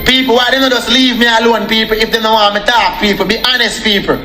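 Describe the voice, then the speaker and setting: A man's voice: very high voice, fairly even intonation, fast, sharp tone, reverberant, soft background music. A young man with a Jamaican accent ranting angrily on a live stream, repeatedly calling out to his viewers. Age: young adult. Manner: repetitive, addresses viewers as people. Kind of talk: angry live-stream rant.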